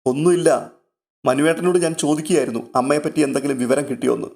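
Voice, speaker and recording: A man's voice: fairly high pitch, fairly even intonation, fast talker, vocal fry, darkish tone. A man voicing an evasive young woman. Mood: defensive.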